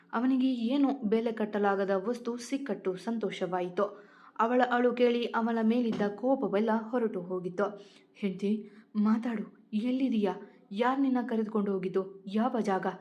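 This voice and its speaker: Mellow-voiced woman storyteller. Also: mid-range voice. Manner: dramatic, steady storytelling. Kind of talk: scripted story reading. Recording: dull lo-fi recording.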